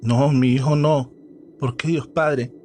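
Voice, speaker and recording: A man's voice: mid-range voice, fairly even intonation, takes it slowly, darkish tone, slight background noise, lightly acted. A man voicing a despairing, grief-stricken middle-aged father. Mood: anguished. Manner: anguished and despairing.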